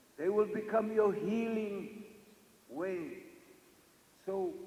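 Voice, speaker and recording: The voice moves at a very slow pace amid audible room echo. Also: man. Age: 80s+. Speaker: conference speaker. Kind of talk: conference speech.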